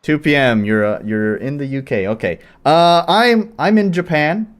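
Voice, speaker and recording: A man's voice: a little high, normal speed. A man with an American accent, chatting casually as the host and interviewer on a livestream. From United States.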